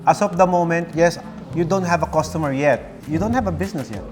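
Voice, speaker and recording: A man with a Filipino accent hosting a vlog, pitching water station packages to customers in a teasing, pushy salesman manner. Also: fast talker, long reverb tail. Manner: joking, pushy salesman, mixes Tagalog and English.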